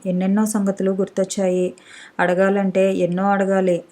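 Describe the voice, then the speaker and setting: A woman narrating a story as an audiobook reader, at a steady, measured pace. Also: mid-range voice. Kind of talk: scripted narration.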